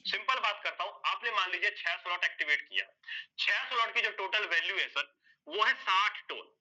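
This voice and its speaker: A man explains something on a whiteboard in a high, very bright, sharp voice. He goes step by step, repeats each point and answers his own rhetorical questions. The recording is dull and lo-fi. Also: animated, moderate pace. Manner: addresses listeners as sir and brother. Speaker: presenter explaining an earning plan.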